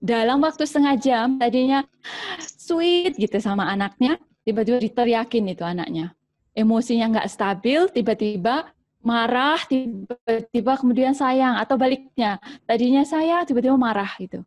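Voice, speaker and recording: High-pitched woman giving parenting advice. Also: normal speed. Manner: lively, acts out mother and child voices, mixes in English phrases. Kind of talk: parenting talk.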